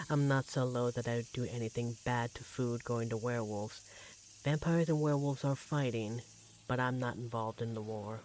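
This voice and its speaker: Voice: mid-range voice, normal speed, darkish tone, close to an everyday voice, poor audio. A performer playing an affectionate, teasing vampire barista in a conversational audio roleplay about domestic life. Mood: casual, teasing. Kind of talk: ASMR audio roleplay, one-sided domestic dialogue. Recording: clear background noise, sizzling frying pan.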